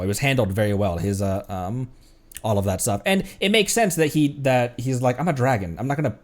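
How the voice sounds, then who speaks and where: A man's voice: lowish voice, darkish tone. Rambling male game streamer. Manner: rambling, musing, often repeats phrases. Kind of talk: casual game stream commentary.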